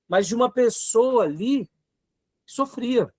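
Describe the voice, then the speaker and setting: With an extremely high, lively voice and a darkish tone, a Brazilian Portuguese-accented man teaches a seminary class at a measured pace. He is earnest and exhorting, throwing out rhetorical questions and frequent tag questions to check on his students.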